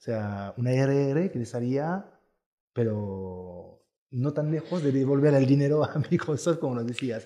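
A man talks at a fairly slow pace with lively intonation. His medium-pitched voice has a dark, mellow tone. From France. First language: French (speaking Spanish). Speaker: e-commerce expert. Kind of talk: casual chat. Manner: halting.

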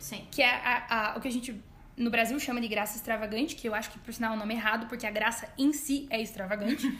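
This woman talks at a very fast pace in a high pitch. Room echo is audible. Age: 20s. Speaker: psychologist. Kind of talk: casual chat.

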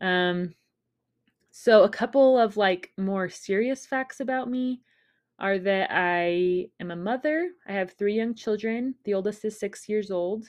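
A woman speaks at a medium pitch. Her pitch variation is ordinary. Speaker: podcast host. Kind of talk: casual monologue. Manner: awkward pauses.

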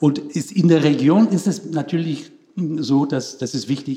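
Noticeable background noise sits behind a man speaking at a fairly slow pace with ordinary pitch variation. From Poland. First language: Polish (speaking German). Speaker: former diplomat. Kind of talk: panel discussion. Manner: halting.

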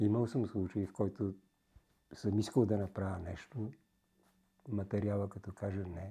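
Dark, mellow tone, somewhat breathy, with fairly even intonation. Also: man. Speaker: puppet maker. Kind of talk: casual chat. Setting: workshop.

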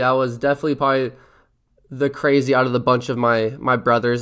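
The speaker is a man with an American accent. The recording is very clean, with a silent background. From Oregon, US. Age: 20s. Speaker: fitness coach. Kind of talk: solo podcast monologue. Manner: casual, energetic.

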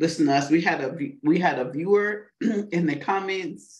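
An unremarkable speaking voice at a fairly slow pace. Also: woman. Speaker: podcast host.

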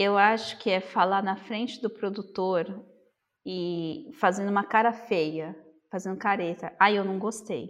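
A woman speaks in a São Paulo accent at a medium pitch. She talks at a fairly slow pace with ordinary pitch variation. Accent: São Paulo Brazilian Portuguese. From Brazil, São Paulo city. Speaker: wine consultant and tour guide. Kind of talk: casual interview.

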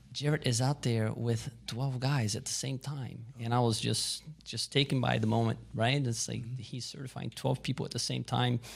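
A man with a Brazilian accent speaks at a moderate pace with hardly any pauses. His voice is somewhat breathy, with monotone, flat intonation. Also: medium pitch for a man. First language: Portuguese. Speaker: racquet sports director. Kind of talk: interview. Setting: studio.

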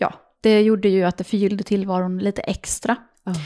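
A woman speaks at medium pitch in a dark, mellow tone. The sound is dry and close with no echo, on a very clean recording with a silent background. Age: 40s. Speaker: podcast host, former journalist. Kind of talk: casual chat. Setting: podcast studio.

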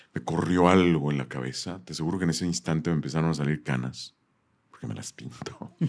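Fairly brisk speech, pitch shifting in an ordinary way. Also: man, very deep, low pitch for a man. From Chihuahua, Mexico. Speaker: voice actor and announcer. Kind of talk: interview.

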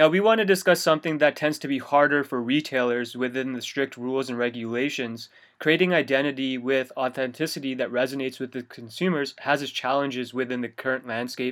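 A man with an unremarkable speaking voice, medium pitch and ordinary pitch variation, at a fairly quick pace with hardly any pauses, on a very clean recording with a silent background. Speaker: podcast host. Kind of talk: interview.

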